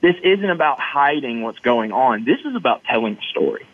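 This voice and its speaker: A man's voice: medium pitch, sing-song, a little fast, dry recording. Southern man on a phone-like line. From Arkansas, United States. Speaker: guest, motivational storyteller. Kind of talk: personal storytelling in an interview. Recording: muffled phone-like line, dry.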